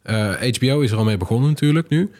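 A man's voice: medium pitch, lively intonation, fast talker, a little mellow. A man, presenting and chatting as a podcast host.

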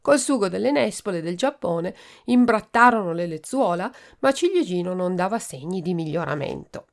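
A woman from Italy hosting a podcast, reading a children's book aloud in a clear, expressive storytelling manner. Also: lowish voice, moderate pace.

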